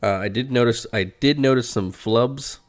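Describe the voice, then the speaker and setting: A man's voice: medium pitch, moderate pace, soft background music. A man chatting casually about cartoons and games, with casual swearing. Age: adult. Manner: casual, profane. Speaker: podcast host.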